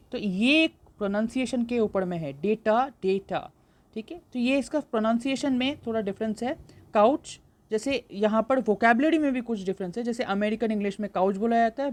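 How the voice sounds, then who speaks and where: Woman tutor, slow explaining style. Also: medium pitch, a little mellow. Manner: explains slowly, mixing English terms, with frequent fillers. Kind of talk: exam-prep lecture.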